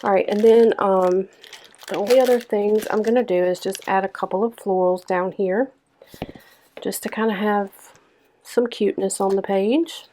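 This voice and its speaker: A young woman with a hoarse, stuffed-up voice chatting casually through a planner-decorating vlog. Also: medium pitch, fairly even intonation, mellow, a little hiss or hum, poor audio. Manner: chatty, lots of ums, unhurried. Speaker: planner vlogger. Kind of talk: casual plan-with-me narration.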